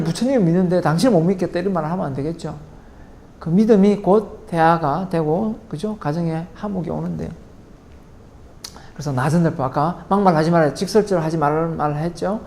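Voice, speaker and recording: A woman with a lowish voice lectures in a parenting course. She keeps checking in with her listeners through rhetorical questions and acts out what spouses say to each other in lively quoted dialogue.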